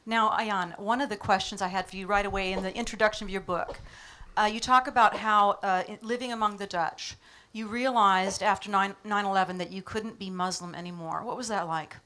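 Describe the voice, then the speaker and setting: A woman's voice: medium pitch, fairly even intonation, a little fast, few pauses, bright, forceful tone. A woman interviewing a guest on stage before an audience, with enthusiastic, admiring reactions. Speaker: interviewer, host.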